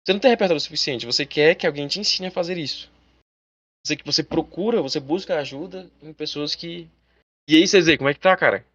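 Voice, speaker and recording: A male teacher giving a live online class, talking fast and chatty, speaking straight to his students. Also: a little high, fairly bright tone, dry recording, lo-fi sound.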